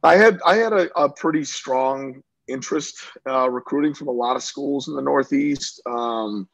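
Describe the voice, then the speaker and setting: Man from central new york, lacrosse coach, husky voice, dry sound. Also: mid-range voice, moderate pace, dry recording. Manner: talkative, many fillers and restarts. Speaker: lacrosse coach, interview guest. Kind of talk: casual interview chat.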